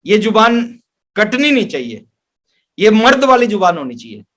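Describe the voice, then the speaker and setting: A man's voice: high-pitched, big pitch swings, normal speed, fairly bright tone. A man gives a motivational sales training talk, speaking emphatically and repeating phrases for effect. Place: online webinar.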